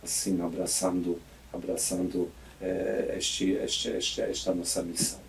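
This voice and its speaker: A man's voice: low voice, flat delivery, unhurried, gravelly, recorded from a distance, slight background noise. A man in his fifties, a bishop from Poland with a Polish accent, speaking in a radio studio interview, reflective and hesitant with many restarts. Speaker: auxiliary bishop. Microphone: studio mic on boom arm.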